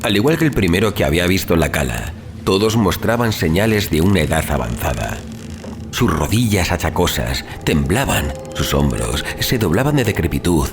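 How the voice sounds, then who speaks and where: A man narrating a horror audiobook in a measured, solemn, theatrical manner, as a dramatic scripted reading. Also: deep voice, noisy background. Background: music.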